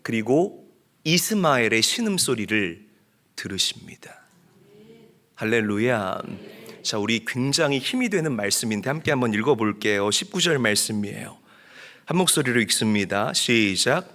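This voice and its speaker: A middle-aged male pastor preaching a sermon, swinging from soft storytelling to loud pleading. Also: mid-range voice, expressive, moderate pace.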